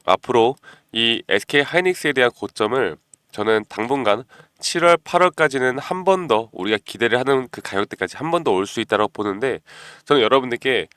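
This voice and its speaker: A man hosting a stock market channel, talking persuasively to viewers and often clearing his throat because of a cold. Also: medium pitch, lively intonation, brisk, few pauses, fairly bright tone, no room sound, studio quality. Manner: persuasive, keeps asking viewers "you know?". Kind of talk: stock analysis talk to viewers.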